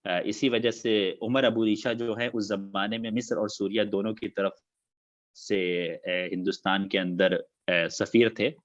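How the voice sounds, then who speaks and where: A man's voice: on the low side, steady tone, dull audio. A man teaching an online class, repeating key facts and dates.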